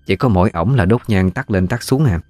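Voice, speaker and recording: A man with a Southern Vietnamese accent narrating a ghost story in a folksy, unhurried way. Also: fairly low pitch, mellow, no room sound, faint music behind.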